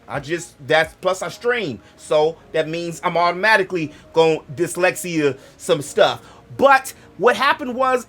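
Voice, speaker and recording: Rambling black American man, lively pitch. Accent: African American English. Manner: loose, joking, digressive, self-interrupting. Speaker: gaming channel host. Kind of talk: rambling casual monologue.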